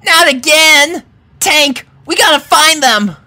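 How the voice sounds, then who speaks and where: A man's voice: extremely high pitch, slow pace, sharp tone, voice pushed up, heavily acted. A man voicing a brash, hot-tempered young female pegasus pony in a cartoon fan story, frantic and exclamatory. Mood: panicked shouting.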